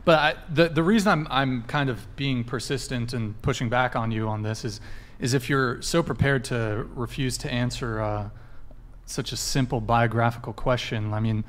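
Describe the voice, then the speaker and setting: A man hosting a live dating podcast panel, pressing guests and chatting loosely with many restarts. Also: medium pitch. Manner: pushy, talks in quick restarts. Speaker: podcast host. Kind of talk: casual panel chat.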